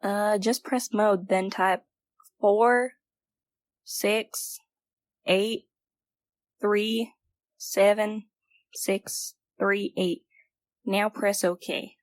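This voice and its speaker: A woman's voice: mid-range voice, fairly even intonation, drawn-out words, long pauses, no room sound. A woman playing an improvising leader in an audio drama, explaining things hesitantly as she thinks under pressure. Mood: urgent, thinking.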